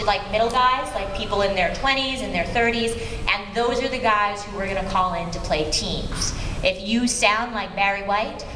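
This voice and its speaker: Woman, informal workshop speaker, conversational, explanatory, rambling asides, roomy echo, clear background noise. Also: mid-range voice. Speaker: voice actor giving a panel talk. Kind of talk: informal workshop talk to an audience. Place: convention panel room with audience.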